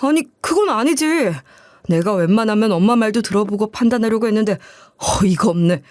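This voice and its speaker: A woman's voice: medium pitch, animated, a little fast, darkish tone, no room sound, studio quality, natural voice. A woman voicing an enraged husband who heatedly scolds his mother in a story. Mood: furious. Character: angry adult son and loyal husband.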